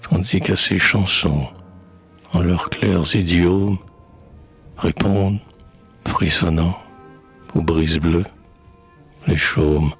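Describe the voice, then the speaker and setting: A man reading poetry aloud in a solemn, measured, declamatory recitation. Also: low-pitched, steady tone, husky, soft background music. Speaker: poetry reader.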